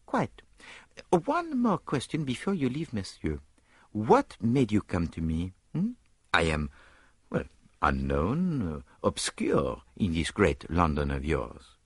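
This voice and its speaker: A man voicing a fussy, excitable Belgian detective in an audiobook, talking in theatrical bursts. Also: slightly rough, dry recording, studio quality, heavily acted. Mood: animated, pondering. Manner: theatrical, rising pitch, quick bursts. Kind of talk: audiobook character voice.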